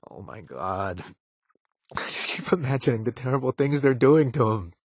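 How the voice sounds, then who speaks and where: A man's voice: mid-range voice, expressive, moderate pace, no echo, clean studio sound. An actor playing a remorseful male ex-raider companion in a video game, wry and self-deprecating. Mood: panicked. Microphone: studio mic, dry booth.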